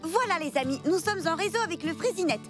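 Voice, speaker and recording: A woman voicing an upbeat, capable young tech-savvy girl in an animated cartoon. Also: very high-pitched, fast, music in the background. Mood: brisk, upbeat. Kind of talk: animated dubbing.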